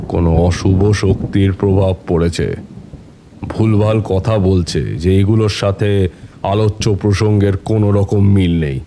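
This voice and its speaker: An actor playing a seasoned, middle-aged tantric holy man who reminisces in an unhurried, reflective way in an audio story. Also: on the low side, dark tone. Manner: unhurried, reflective raconteur addressing listeners. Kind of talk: scripted audio-story narration in character.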